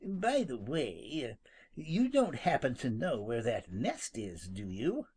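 A storybook narrator voicing a sly, good-natured male skunk who teases in a slow drawl. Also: mid-range voice, big pitch swings, husky, pitched above the performer's own voice, full character voice. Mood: teasing.

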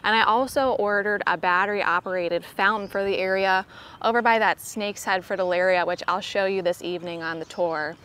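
A woman's voice: mid-range voice, steady tone, brisk, fairly bright tone, smooth. A middle-aged American woman gardening vlogger, chatting directly to viewers as she shows plants in a casual tour style. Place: home garden outdoors and inside the house.

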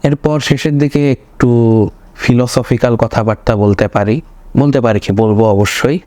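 A young man with a voice slightly hoarse from a cold, talking through his thoughts in a rambling home vlog and often correcting himself. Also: medium pitch, normal speed, a little mellow, no room sound. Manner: rambling, self-correcting, searching for words. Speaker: vlogger. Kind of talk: casual personal vlog commentary. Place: home room.

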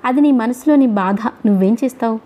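A woman reading a quiet brooding young husband. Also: fairly high pitch, brisk, lightly acted.

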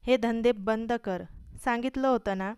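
A stern elder brother hands out clipped commands, as a woman reads him. Her voice is very clear and a touch high. The recording is dry and close. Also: a little slow, a little mellow, dry recording, natural voice. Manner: curt, commanding.

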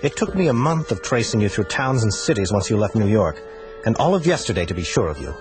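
A man's voice: lowish voice, sing-song, fast talker, over music. An actor playing a suave, menacing male agent from the future who hunts a runaway couple, in a radio drama. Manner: suave, mocking, patient menace. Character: menacing male time agent, smug cold hunter.

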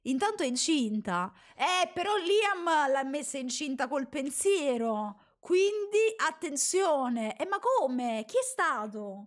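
Brief: young woman gamer streaming live, high, chatty, jokey. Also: sing-song, measured pace, few pauses. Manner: chatty, jokey, addresses chat, shrieks when startled. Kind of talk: casual live gameplay chat.

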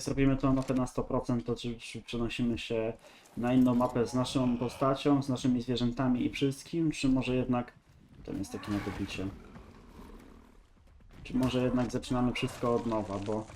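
A man talks through his gameplay in a casual, rambling way, thinking aloud as he goes. His voice is mid-pitched and nasal, as if his nose is stuffed up. There is some noise behind him. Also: fairly even intonation, moderate pace, a little mellow. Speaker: gaming video host.

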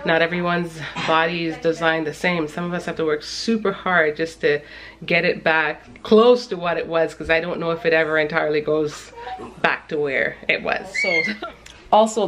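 Chatty woman vlogging at home. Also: medium pitch. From Canada. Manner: chatty and animated, with frequent laughs. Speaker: family vlogger. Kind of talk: casual vlog chat. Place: home kitchen indoors. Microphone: handheld camera at arm's length.

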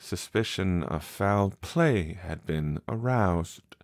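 A man performing a cunning, mad murderer's confession in a dramatic, deliberate reading of gothic horror. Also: sits low, lively intonation, no echo, studio quality, heavily acted. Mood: smug, cunning. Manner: deliberate, theatrical, intense, with dramatic pauses. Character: mad male murderer confessing, cunning, boastful, increasingly frantic.

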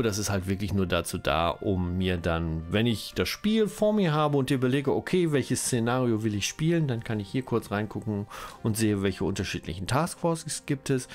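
A German-speaking man with a cold, giving rambling, self-correcting commentary while playing a strategy game. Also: lowish voice. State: has a cold, coughing. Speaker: let's-play host.

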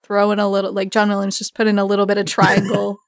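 A woman's voice: medium pitch, monotone, fast, creaky, dry recording, clean studio sound. A woman hosting a casual roundtable chat and asking questions in a playful, teasing way. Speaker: interviewer, roundtable host.

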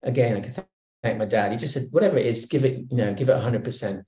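A middle-aged man from Hong Kong, a guest on a video call interview, speaking in a relaxed, reflective way with many fillers and restarts. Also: medium pitch, fast talker. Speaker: guest executive. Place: home room. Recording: roomy video call audio.

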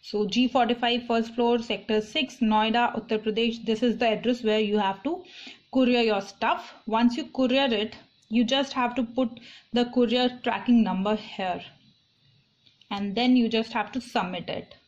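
High-voiced young Indian-accented woman vlogger. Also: steady tone, normal speed. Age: young adult. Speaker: online shopping vlogger. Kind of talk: casual explanatory vlog talk to viewers. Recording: dull lo-fi phone audio, clear background noise.

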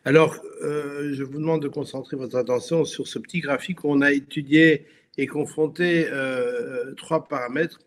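A Belgian-born man giving a webinar presentation over a video call, speaking haltingly with many restarts and fillers. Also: a little high, fairly even intonation. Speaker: guest speaker.

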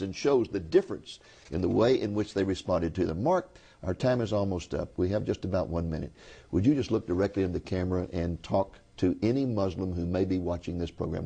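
A male TV host leads a religious interview, telling stories to the viewers with emphatic, direct address. His voice sits low, with a husky, mellow tone. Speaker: TV program host.

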